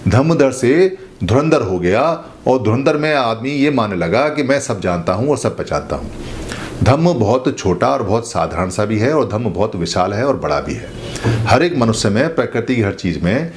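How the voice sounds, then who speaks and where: A man giving a spoken Buddhist teaching, explaining slowly and repeating phrases for emphasis. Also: medium pitch, darkish tone, a little hiss or hum. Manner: slow, repetitive, explanatory preaching. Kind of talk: spoken dharma talk.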